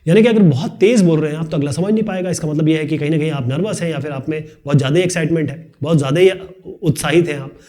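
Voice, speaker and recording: A man teaching a video lesson, explaining quickly and chattily with joking asides. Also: a little high, dark tone. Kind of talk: fast classroom video lesson.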